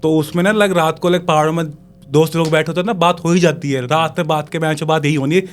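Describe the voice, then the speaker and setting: A young man, a podcast guest, telling a long personal story in casual, animated speech, with crude slang and acted-out moments of fear. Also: a little high, fast talker.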